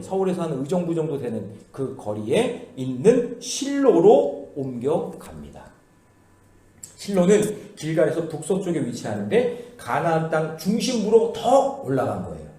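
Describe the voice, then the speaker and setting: A man preaching a sermon as pastor, lively and playful, acting out the voices of the people he quotes. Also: on the high side. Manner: animated, acts out quoted voices in casual speech. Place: church sanctuary. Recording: echoey church hall.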